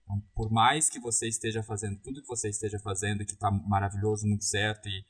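A man's voice: fairly low pitch, little pitch movement, fast, fairly bright tone, slightly rough. A man who talks thoughtfully in discussion, often restarting his phrases. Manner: thoughtful, restarts often, agrees and builds on points. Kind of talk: conversational discussion.

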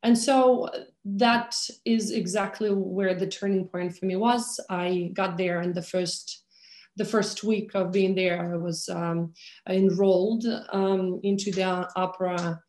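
A woman's voice: lowish voice, level tone, unhurried, a little mellow. A woman, a conductor and pianist, talking in a casual interview with many fillers and easy laughs. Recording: roomy echo.

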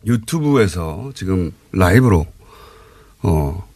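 A man's voice: sits low, animated, slow, darkish tone, slightly rough, dry recording. A man hosting a live radio current-affairs show, talking in an informal, opinionated way with rhetorical questions.

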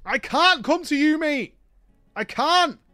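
A man's voice: very high-pitched, expressive, takes it slowly, sharp tone, no echo, clean studio sound, voice pushed up, full character voice. A man putting on a pushy, clueless male gamer friend, whiny and insistent. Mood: pleading. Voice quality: whiny, insistent, says mate a lot.

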